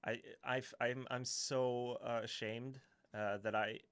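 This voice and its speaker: A man's voice: mid-range voice, little pitch movement, takes it slowly, a bit bright, clear, resonant tone. A man from Sweden with a Swedish accent, speaking English as a second language, hosting a casual live-stream Q&A and reading out viewer comments, hesitant and full of restarts. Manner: hesitant, many restarts and fillers, chuckling often.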